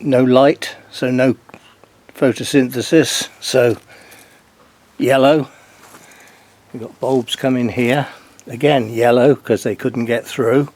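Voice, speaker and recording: An older man hosting a gardening channel, walking along a garden border and explaining plainly, with pauses. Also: medium pitch, fairly even intonation, darkish tone. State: out of breath. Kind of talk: casual garden walk-through.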